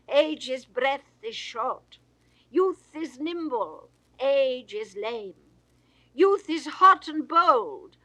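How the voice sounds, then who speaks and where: Older lady reading old poetry slow and grand, bright high voice, dry 60s studio sound. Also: no room sound. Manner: grand theatrical delivery with sweeping swells and hushed falls. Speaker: poetry reader. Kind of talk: classical dramatic verse reading. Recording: dry 1960s studio recording.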